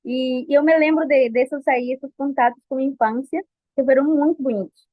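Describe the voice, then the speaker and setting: A woman's voice: sits high, moderate pace, no echo. A woman in her twenties from Colombia with a Colombian Spanish accent, speaking Portuguese as a second language and answering interview questions hesitantly, with many restarts. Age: 20s. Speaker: interview guest. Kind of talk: nervous personal interview answers. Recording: dry, phone-like audio.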